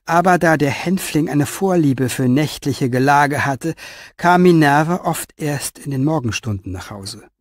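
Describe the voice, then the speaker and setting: A man narrates an audiobook, slipping vividly into the characters' thoughts. His voice sits somewhat high, and the recording is dry and close. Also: a little slow, no echo. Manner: expressive storytelling with lively inner voice.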